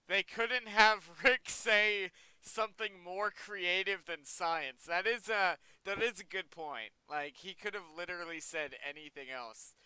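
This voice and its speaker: Young male host, casual reaction commentary, bright lively voice, smooth and dry. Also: high voice, measured pace, no room sound, rough recording. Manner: rambling, chatty, repeats himself. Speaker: video host.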